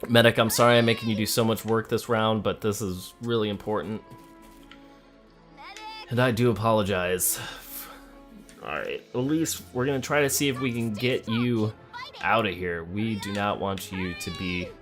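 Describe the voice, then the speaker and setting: A man's voice: lowish voice, normal speed, long pauses, fairly bright tone, faint music behind. A man giving casual let's play commentary on a video game, thinking aloud and talking to the characters as he plays. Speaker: gamer playing a video game.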